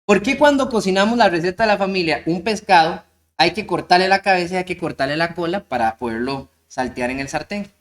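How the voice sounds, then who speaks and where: A man's voice: high-pitched, lively intonation, a little fast, fairly bright tone. A man voicing a curious teenage girl who keeps asking questions, within a sermon story. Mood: puzzled.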